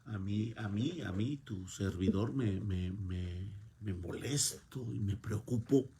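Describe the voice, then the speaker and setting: Male priest, homily, slow unhurried delivery, mellow dark tone, emphatic repetitions, faint church ambience. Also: fairly low pitch, slight background noise. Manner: emphatic, repeats words, voice swells and drops. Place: parish church.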